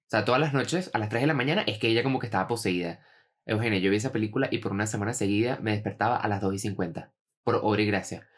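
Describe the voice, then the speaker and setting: A young man with a Venezuelan accent telling stories in a relaxed, slang-heavy chat between two co-hosts. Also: fairly low pitch, rapid-fire. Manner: animated storyteller, heavy slang. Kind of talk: casual chat.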